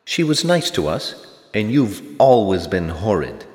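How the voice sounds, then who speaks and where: A man reading aloud and voicing a thin black cat who talks in a soft, wry hiss, in an echoey room with a long reverb. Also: fairly low pitch, very animated, measured pace.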